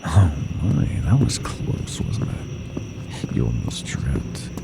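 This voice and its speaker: A man voicing a sadistic, playful monster hunting humans in a horror ASMR roleplay, taunting and savoring in a gravelly, breathy, often whispered voice. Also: extremely low pitch, sing-song, exaggerated voice. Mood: menacing, excited. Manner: slow, taunting, menacing, savoring.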